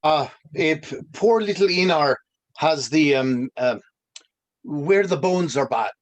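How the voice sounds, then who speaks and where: A man at a table read playing a kindly villager in his thirties who haltingly searches for words. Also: a little high, poor audio. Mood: halting, helpful.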